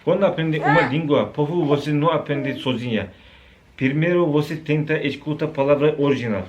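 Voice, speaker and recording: Turkish man speaking halting non-native Portuguese. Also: a little high. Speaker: co-host. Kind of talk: casual chat.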